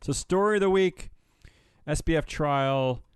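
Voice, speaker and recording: A man's voice: a little high, measured pace, clear, resonant tone, no echo, clean studio sound. A man hosting a casual business podcast chat, talking in a wry, sarcastic way. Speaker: podcast host.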